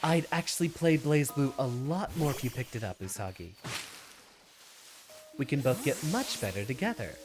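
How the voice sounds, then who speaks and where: A man's voice: medium pitch, animated, moderate pace, music in the background. A man streaming a video game with a stuffy, slightly nasal nose, musing aloud in an easygoing way and answering viewers' questions.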